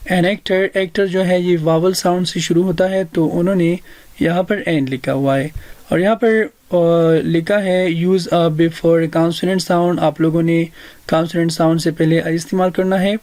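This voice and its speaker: A man with a South Asian accent giving a language lesson as a teacher, deliberately explaining and repeating phrases for learners. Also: fairly high pitch, a little mellow, no room sound. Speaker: English teacher.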